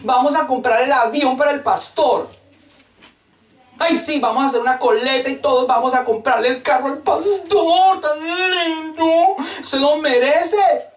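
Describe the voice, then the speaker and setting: A man's voice: very high voice, unhurried. A man preaching a sermon, fervent and emphatic, with rhetorical questions and lots of repetition. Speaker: pastor. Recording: echoey room, mic at a distance.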